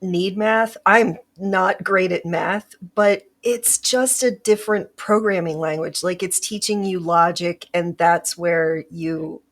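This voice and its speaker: A woman's voice: lowish voice, fairly even intonation, slow, few pauses. A woman hosting a podcast, chatting casually and upbeat, laughing often. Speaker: podcast host. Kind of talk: casual interview chat.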